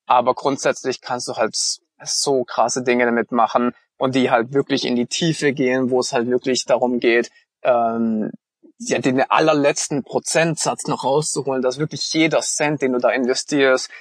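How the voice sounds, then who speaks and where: A man in his thirties with a light Swabian accent talks loosely in a podcast chat, full of fillers. His voice is a little husky and sounds dry and close, with no room around it. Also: medium pitch, moderate pace, dry recording. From Stuttgart, Germany. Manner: relaxed, chatty, many fillers. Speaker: podcast co-host, online marketing consultant.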